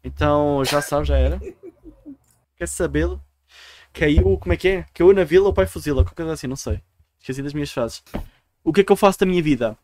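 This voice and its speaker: A man's voice: on the high side, a little fast, pauses often, darkish tone, slight background noise. A man from Portugal with a European Portuguese accent, hosting a casual podcast chat, joking and slangy. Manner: joking, slangy, says "mano" a lot. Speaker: podcast host.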